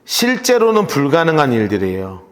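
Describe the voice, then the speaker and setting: A man preaching a sermon, emphatic and animated, often acting out voices. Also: a little high, a little fast. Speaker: pastor. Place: church sanctuary. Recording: echoey church hall.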